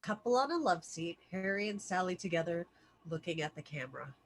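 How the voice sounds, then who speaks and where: A woman's voice: on the low side, lively intonation, fairly quick, a crowd in the background. A woman hosting a virtual script read, speaking as narrator and chatting casually with the group. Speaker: host and stage-direction reader. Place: virtual call from home.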